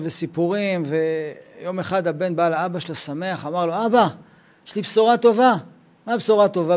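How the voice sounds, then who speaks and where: A man gives a Torah lesson about leaving Egypt in a casual, slangy way. He keeps slipping into imagined dialogues and plays each side himself. His voice sits a little high for a man. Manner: animated, acts out both sides of imagined conversations; slangy, conversational. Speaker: Torah teacher. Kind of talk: Passover lesson with acted dialogue.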